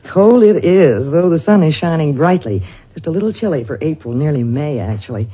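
A man's voice: a little high, animated, brisk, highs cut off. A man presenting a 1960s broadcast, handing over to a reporter with jaunty patter. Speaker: radio broadcaster.

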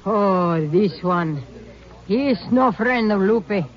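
A woman's voice: medium pitch, expressive, slow. A woman playing a weary middle-aged mother who picks cotton, speaking broken English, out of breath. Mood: earnest. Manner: broken English, pleading and earnest. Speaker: farm worker mother. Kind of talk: 1950s radio acting. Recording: dull old radio broadcast.

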